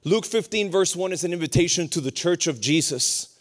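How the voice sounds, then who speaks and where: A man in his thirties from Puerto Rico, preaching a sermon with humor and rising intensity. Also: fairly quick. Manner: lively, humorous preaching that climbs higher and more intense as it goes. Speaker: pastor.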